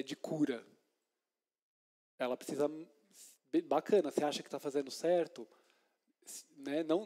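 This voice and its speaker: Male deacon, mellow and somewhat high, chatty sermon style, keeps asking "right?", acts out scenes. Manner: conversational preaching with frequent tag questions; retells scripture in lively dramatized scenes. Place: church.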